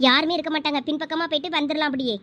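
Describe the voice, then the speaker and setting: A performer voicing a determined young village woman in a very high, quick cartoon voice with a Thoothukudi Tamil accent. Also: steady tone, pushed and bright, muffled recording. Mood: earnest.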